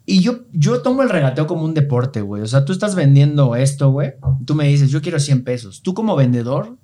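Mellow Mexican man telling stories. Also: a little high, fairly quick. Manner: animated storyteller, heavy slang. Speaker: guest telling travel stories. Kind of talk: casual podcast chat.

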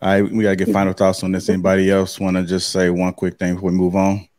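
A man with a very deep voice runs the panel and moves it along briskly and informally. His voice sounds dry and close, with no room echo. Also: completely flat delivery, a little mellow. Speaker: host. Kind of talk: hosting a panel talk show.

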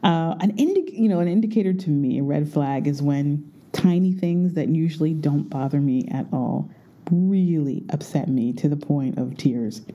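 A woman's voice: sits low, lively intonation, normal speed, dark tone, lo-fi sound. A jet-lagged woman chatting casually and rambling to her viewers from her bedroom while recording under a blanket, which muffles her voice. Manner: chatty, rambling, self-correcting. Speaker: vlogger.

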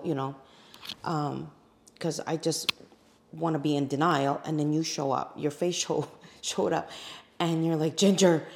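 A middle-aged woman, a real estate agent, chatting as a podcast guest. She tells her story animatedly, laughs often and acts out her own past thoughts. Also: sits low. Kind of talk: casual interview chat.

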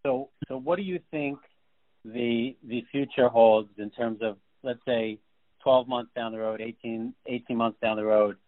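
A man's voice: medium pitch, lively intonation, measured pace, vocal fry. Chatty male interviewer, phone-like sound. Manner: friendly, rambling with fillers. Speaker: interview host. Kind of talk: interview questions, casual. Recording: tinny phone-like line.

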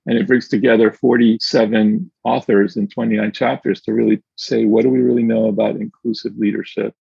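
Husky middle-aged man on roomy call. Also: on the low side, level tone, a little fast, mellow. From Argentina. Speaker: podcast guest, inclusion consultant. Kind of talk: conversational interview answers. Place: indoors, remote video call. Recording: dull, roomy video-call audio.

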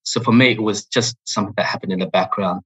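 A man in his thirties from Australia with an Australian accent, a podcast guest talking in a relaxed, reflective way with many fillers. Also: fairly low pitch, quick pace, slightly rough, rough recording. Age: 30s. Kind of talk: interview podcast.

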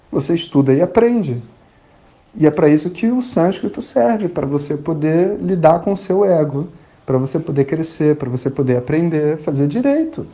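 Telling a personal story in casual Rio de Janeiro style, this Brazilian man plays out each line of quoted dialogue. His voice is fairly high and warm, though the lo-fi recording sounds dull.

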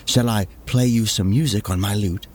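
A man's voice: on the low side, normal speed, a little mellow, slight background noise, lightly acted. A man voicing a loyal, cheeky bard companion with a droll, eager manner in a storybook tale. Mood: solicitous.

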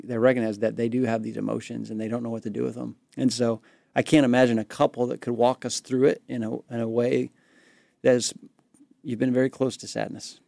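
A man's voice: mid-range voice, gravelly, warm tone, no room sound. A man co-hosting a ministry podcast, introducing guests and asking questions in an earnest, conversational way. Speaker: podcast co-host. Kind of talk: podcast interview.

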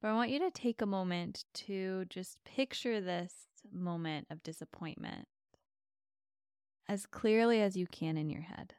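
A woman guiding a meditation softly and soothingly, giving gentle, slow, spacious instructions as a host. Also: medium pitch, smooth, no room sound, clean studio sound. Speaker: meditation podcast host and guide. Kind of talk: soft, soothing guided meditation.

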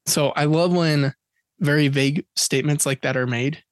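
A man with a fairly high voice hosts a casual podcast chat. He reads out facts and dates with jokes mixed in. The sound is close and dry, with no room around it. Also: fairly even intonation, normal speed, no echo. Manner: chatty, joking, reads facts and dates aloud. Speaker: podcast co-host.

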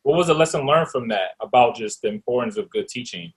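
A man's voice: mid-range voice, lively intonation, quick pace, slightly rough. A man hosting a casual interview, asking questions and giving short encouraging reactions. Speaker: host, interviewer.

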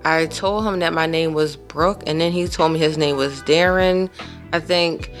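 A woman in her thirties hosting a podcast, telling a personal story in a casual, animated way with emphatic asides to her listeners. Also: deep voice, moderate pace, soft background music. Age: 30s. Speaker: podcast host.

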